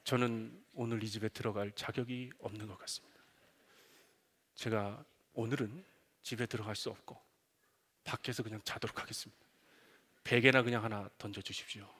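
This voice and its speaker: A man voicing his young son, swinging between exaggerated humble pleading and loud bratty demands. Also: fairly low pitch, steady tone, normal speed, long pauses, breathy edge, pitched below the performer's own voice. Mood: meek, groveling. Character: schoolboy son, meek then bratty.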